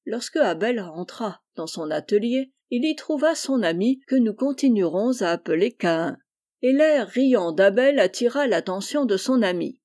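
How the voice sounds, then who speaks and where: A woman narrating a classic novel as an audiobook reader. She tells the story clearly and evenly at a middling pitch. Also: lively intonation, normal speed, mellow.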